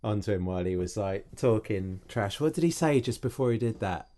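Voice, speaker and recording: A man co-hosting a casual podcast, telling stories excitedly with many "like"s. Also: lowish voice, brisk. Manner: excitable storyteller, lots of "like". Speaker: podcast co-host. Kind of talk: casual chat.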